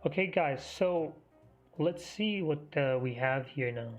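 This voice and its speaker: A man hosting a live trading stream, half losing his voice, talking through the market in a halting, think-aloud way. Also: a little high, lively intonation. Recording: muffled stream audio with faint music.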